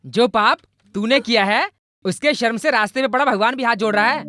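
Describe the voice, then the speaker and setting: A man dubbing the part of a scheming village brother in a film, talking loud and sarcastic. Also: very high voice, a little fast, no room sound, soft background music. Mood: blustering. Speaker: bride's brother. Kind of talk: Hindi film dub acting.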